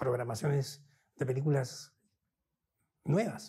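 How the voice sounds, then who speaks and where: This man, in a Lima accent, has a dark, mellow tone and sounds somewhat breathy. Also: quiet background. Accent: Peruvian Lima Spanish. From Lima, Peru. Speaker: film director; guest. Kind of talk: casual interview. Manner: halting, repeats words. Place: studio.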